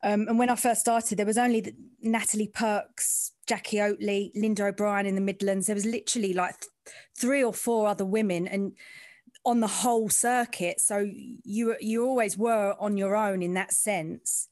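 A woman's voice: medium pitch, fairly even intonation, moderate pace, darkish tone, no echo, studio quality. East London woman with an Essex twang. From East End of London, England. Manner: informal, frank, working-class way of speaking. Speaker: sports reporter interviewee. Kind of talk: candid conversational interview.

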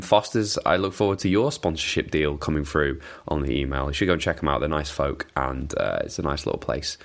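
Welsh man, very low voice, young adult, casual rambling chat, self-deprecating podcast host. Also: fairly bright tone. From Wales. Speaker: podcast host answering listener questions.

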